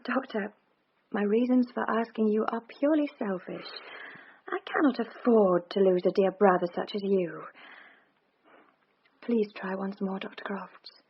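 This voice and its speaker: An actress playing a lively, teasing young Victorian woman in a radio drama who talks in an eager, coaxing way. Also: medium pitch, a little slow, husky. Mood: pleading. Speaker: actor. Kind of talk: period radio drama acting. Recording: dull, slightly muffled broadcast audio.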